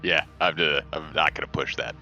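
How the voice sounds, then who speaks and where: A man's voice: rumbling low, fairly even intonation, brisk, pushed and bright. A man playing a tabletop roleplaying game, chatting casually and speaking for his character. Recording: dull lo-fi mic with music.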